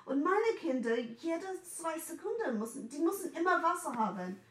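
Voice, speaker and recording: A woman in her forties from England with an English accent, chatting in German as a second language in an animated way and mixing in English words. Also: extremely high pitch, normal speed, distant mic. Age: 40s. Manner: animated, mixes in English words, acts out quoted voices. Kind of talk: casual chat. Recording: echoey room, a bit off mic.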